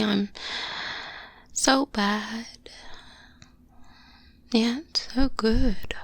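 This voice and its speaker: A woman playing a confident, wary vampire hunter mentor in a soft-spoken, breathy ASMR roleplay, close to the microphone with hesitant pauses. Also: medium pitch, dry recording. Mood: wry, confident. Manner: slow, hesitant pauses, intimate. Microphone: close-up binaural microphone.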